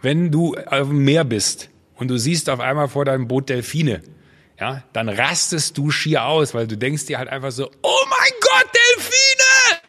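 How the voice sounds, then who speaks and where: Male podcast guest, husky and slightly high, animated storyteller, long reverb. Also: normal speed. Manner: animated storytelling, acts out voices, restarts often. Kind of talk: casual chat.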